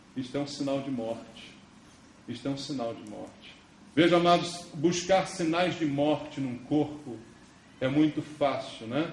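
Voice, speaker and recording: The pace is fairly slow, with long, frequent pauses and big swings in loudness. Audible room echo and noticeable background noise are present. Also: man, fairly high pitch for a man. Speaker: pastor. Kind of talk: sermon. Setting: church. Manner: monotone.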